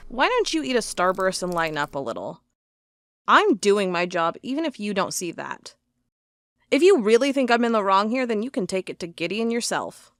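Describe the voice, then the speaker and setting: A woman's voice: mid-range voice, big pitch swings, moderate pace, no room sound, studio quality. A woman playing a stubborn, sarcastic investigator of cold cases in an audio drama, with a wry, defiant manner. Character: stubborn, sarcastic female cold-case investigator hunting monsters.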